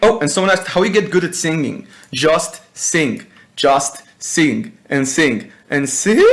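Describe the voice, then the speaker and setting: A man with an Israeli accent speaks at a fairly slow pace. His voice is high-pitched, with lively intonation. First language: Hebrew. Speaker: music producer. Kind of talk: live-stream workshop. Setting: live stream. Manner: casual, halting.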